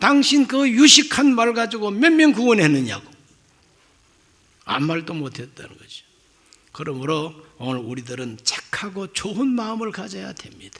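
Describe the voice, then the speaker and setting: Pitched high, a man's voice moves through very wide pitch swings, broken by long, frequent pauses. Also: moderate pace. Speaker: pastor. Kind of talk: sermon.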